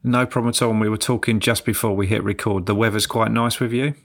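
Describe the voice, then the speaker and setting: A man hosting a podcast interview, relaxed and hesitant, with many ums. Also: lowish voice, fast talker. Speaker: podcast host. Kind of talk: casual interview.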